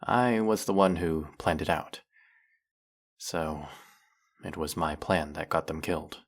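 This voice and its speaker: Male actor as centuries-old vampire hunter, very low voice, slow delivery, brooding, dramatic pauses, audio drama. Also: exaggerated voice. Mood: grim, regretful. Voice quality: gravelly, low. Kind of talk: scripted roleplay audio drama monologue.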